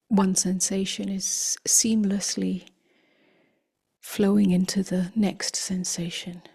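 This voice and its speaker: Very breathy, slow woman guiding meditation. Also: fairly low pitch. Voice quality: breathy, husky, often near a whisper. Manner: gentle, unhurried instruction with long pauses. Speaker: meditation teacher. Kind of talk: guided meditation, slow and contemplative.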